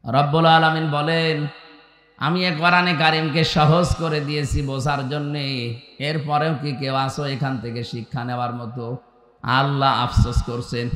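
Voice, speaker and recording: A middle-aged man preaches a sermon, voice sitting fairly high and leaping into emphatic peaks. He chants verses and quizzes the crowd like a classroom. His voice rings through a roomy, echoing loudspeaker setup with a long reverb tail. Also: flat delivery, normal speed, slight background noise. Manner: asks the crowd questions like a teacher. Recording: echoey hall-like reverb from PA.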